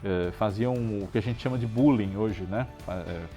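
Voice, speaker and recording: A man's voice: fairly low pitch, normal speed, mellow, faint music behind. A man with a Brazilian Portuguese accent hosting a tribute show, talking conversationally to viewers and often adding chatty tag questions. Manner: chatty, frequent tag questions seeking agreement. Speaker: show host.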